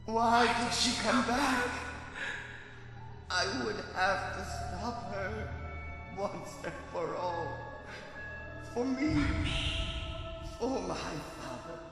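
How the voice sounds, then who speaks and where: A man playing a tormented, obsessive father in a horror video game, delivering a haunted monologue in halting, broken phrases. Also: high voice, full character voice. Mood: anguished, haunted. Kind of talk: dramatic horror game acting. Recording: cavernous echoing reverb, loud music behind.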